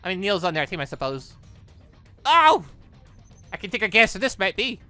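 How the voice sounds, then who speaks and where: A man hosting a gaming channel, giving animated let's-play commentary with exclaimed reactions. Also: high-pitched, normal speed, no echo, faint music behind. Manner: animated, exclaiming reactions between read lines. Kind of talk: let's-play commentary, reading game dialogue aloud.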